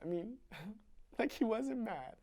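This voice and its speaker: A man's voice: high voice, expressive, takes it slowly, full character voice. A young man playing a haunted survivor confessing. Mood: quiet recollection. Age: young adult. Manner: raw and confessional, swinging between hushed recollection and sobbing screams. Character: young man, haunted, recounting a traumatic childhood. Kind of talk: dramatic stage monologue.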